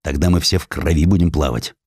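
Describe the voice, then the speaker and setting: Man voicing a deep, weary, commanding army general. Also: fairly quick, a little mellow, dry recording, studio quality. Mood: grim. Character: weary, blunt Russian army general, middle-aged man.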